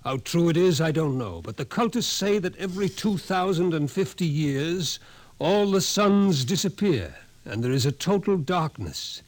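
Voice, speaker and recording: An actor playing a wry, doom-saying psychology professor in a 1950s radio drama, dry and theatrical, on a vintage recording. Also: male voice, a little high, lively intonation, normal speed, close to an everyday voice. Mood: wry, matter-of-fact. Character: scrawny male psychology professor, wry, ominous doomsayer.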